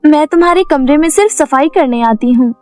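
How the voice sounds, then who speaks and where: A woman's voice: sits high, expressive, a little fast. Woman voicing a meek orphan maid girl. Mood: pleading. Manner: gentle, pleading, tearful. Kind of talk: cartoon story voice acting.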